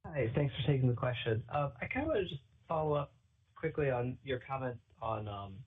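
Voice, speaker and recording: Husky man on a distant, tinny phone. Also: mid-range voice, animated, brisk. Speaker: financial analyst asking questions. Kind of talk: earnings call question.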